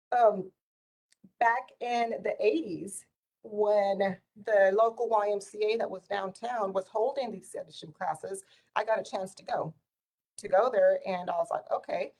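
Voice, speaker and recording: A middle-aged woman who speaks Spanish natively tells stories casually and conversationally, acting out quoted dialogue in an animated retelling. She's a community volunteer sharing life stories, with a medium-pitched voice, an unhurried pace, and long pauses. The recording is rough.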